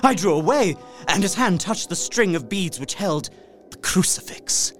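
A man's voice: high-pitched, animated, normal speed, a bit bright, soft background music. An actor playing a polite, observant and uneasy young solicitor, narrating his journal earnestly and precisely in a gothic audio drama. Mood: alarmed. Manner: precise, earnest, theatrical storytelling.

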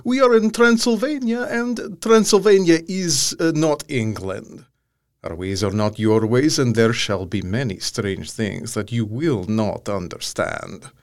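An actor playing a courtly, sinister vampire count in a gothic audio drama, speaking formally and with command. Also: male voice, mid-range voice, unhurried, dry recording, clean studio sound, lightly acted. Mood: quietly menacing. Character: courtly, sinister male vampire count, imperious and hungry for life.

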